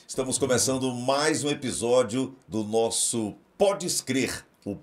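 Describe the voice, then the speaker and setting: A man hosting a podcast, upbeat and quick with short affirmations. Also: mid-range voice. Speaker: podcast host.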